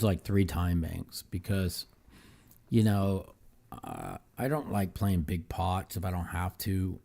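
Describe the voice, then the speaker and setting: A man's voice: low-pitched, gravelly, mellow. A man hosting a casual podcast monologue, rambling with many fillers and repeated words. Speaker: podcast host. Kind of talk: casual monologue on football and poker.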